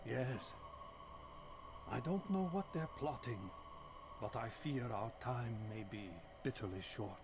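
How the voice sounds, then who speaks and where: An actor playing an ancient, gentle vampire guardian in a video game, weary and sorrowful, with a solemn, measured delivery. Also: male voice, mid-range voice, lively intonation, background noise. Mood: weary, resigned. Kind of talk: scripted video game cutscene acting. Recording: echoing game audio with music behind.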